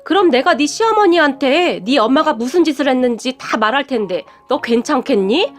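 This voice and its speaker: Storybook figure: high-pitched sneering aunt, greedy and scheming, read by a woman narrator, faint music under. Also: expressive, moderate pace. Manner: sneering, taunting.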